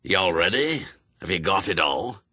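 A man voicing an old, zealous male witchfinder sergeant who barks orders in a gruff, pompous way. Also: sits low, animated, unhurried, pushed and bright, dry recording, heavily acted. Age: older.

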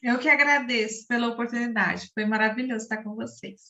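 A woman's voice: on the high side, steady tone, a little fast, bright, forceful tone, slight background noise. Brazilian woman guest in an echoey room. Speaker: sign language interpreter, podcast guest. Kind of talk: casual interview chat. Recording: dull, echoey lo-fi room sound.

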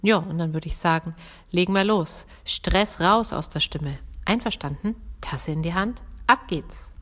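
A woman's voice: fairly low pitch, normal speed. Encouraging female voice coach podcasting. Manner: warm direct address to listener, encouraging.

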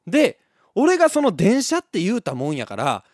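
Kansai man, solo radio host, animated story chat, dry close sound. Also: high voice, normal speed, dry recording. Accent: Kansai Japanese. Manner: animated, laughs often between lines.

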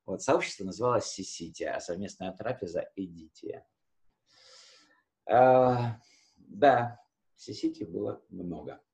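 A man's voice: sits low, unhurried, vocal fry, long pauses, a little mellow. A man teaching history conversationally, explaining with hesitations and rephrasing his key words as he goes.

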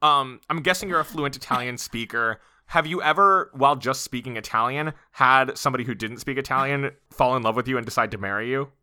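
A man's voice: mid-range voice, a little fast, hardly any pauses, pushed and bright, smooth. A man co-hosting a podcast, joking playfully in casual chat. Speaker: podcast co-host.

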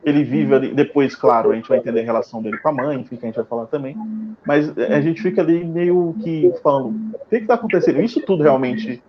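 A man's voice: mid-range voice, fast. A man chatting informally about a film, acting out his own reactions as he goes. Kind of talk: casual film discussion. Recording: dull lo-fi audio with background noise.

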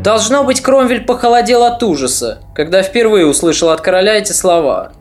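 A podcast narrator reading a scripted history story in a measured, slightly ironic way. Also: medium pitch, lively intonation, over music.

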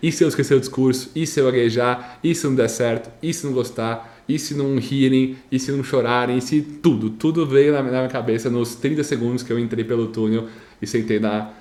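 A young Brazilian man telling a story in casual chat, animated and repeating himself, with a slight stammer. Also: mid-range voice, echoey room. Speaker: storyteller recounting his graduation speech.

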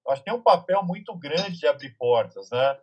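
A man's voice: on the high side, lively intonation, fairly quick, husky, lo-fi sound. A man speaking as a guest in a casual live panel chat over a video call, thoughtful and searching for his words.

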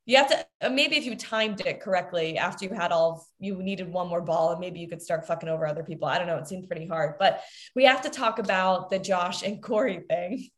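A woman co-hosting a reality show aftershow, chatting casually and candidly, swearing freely and getting animated when heated. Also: fairly low pitch, brisk. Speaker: podcast co-host.

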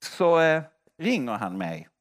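Animated male preacher telling stories. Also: fairly high pitch. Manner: animated storytelling, acting out quoted voices. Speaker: preacher and mission leader. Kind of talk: testimony sermon.

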